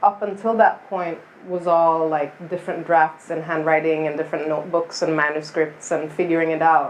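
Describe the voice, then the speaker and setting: At a moderate pace, a woman speaks with a Swedish accent. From Sweden. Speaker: professor on writing panel. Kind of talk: panel discussion.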